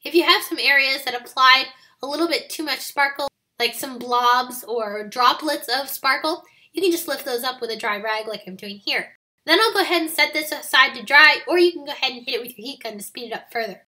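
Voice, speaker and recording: Raspy, bright-voiced woman crafting tutorial. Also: high-pitched, a little fast. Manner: friendly step-by-step explaining. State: raspy voice from recent illness. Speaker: card-making video host.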